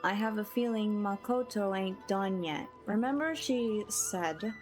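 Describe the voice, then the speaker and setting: A woman livestreamer giving casual game commentary and chatting to viewers in a soft, hesitant, musing manner. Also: mid-range voice, rough recording.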